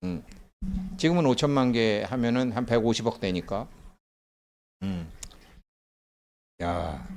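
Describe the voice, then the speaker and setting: A man's voice: fairly low pitch, slow pace, pauses often, darkish tone. A middle-aged man giving a casual lecture, chatty, telling stories and laughing often as he acts out little bits of dialogue.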